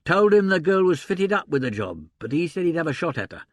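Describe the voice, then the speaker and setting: For an audiobook, a man voices a blunt, talkative older theatrical agent who's colloquial and opinionated, dropping grammar and chuckling. The delivery is fairly high, very animated and fairly quick, with the voice pushed up, on a dry recording.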